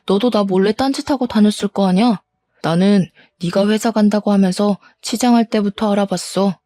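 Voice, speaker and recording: A woman's voice: medium pitch, normal speed, mellow, no room sound, studio quality, lightly acted. A woman voicing a cheating middle-aged husband who turns the blame on his wife. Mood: defensive scorn. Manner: dismissive, scolding.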